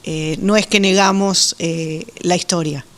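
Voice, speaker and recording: A woman's voice: fairly low pitch, steady tone, a little slow. Rioplatense woman explaining with hesitant fillers. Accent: Rioplatense Spanish. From Uruguay, raised in Argentina. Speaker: guest, Muslim women's association representative. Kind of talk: radio interview answers.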